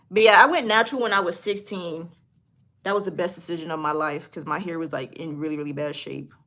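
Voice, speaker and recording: A bright, sharp voice with an American accent, a very fast pace, ordinary pitch variation, and big swings in loudness. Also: woman, fairly low pitch for a woman. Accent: Southern US, thicker around family. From US South, Georgia. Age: 20s. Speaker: hair and lifestyle vlogger. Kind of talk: casual livestream chat. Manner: casual, chatty.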